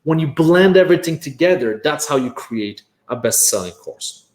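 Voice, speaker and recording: A man's voice: on the high side, expressive, moderate pace. Emphatic Polish-born man teaching, echoey room. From Poland. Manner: emphatic, repeats points with "bam, bam" and "right?". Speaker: online course instructor. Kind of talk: energetic workshop presentation.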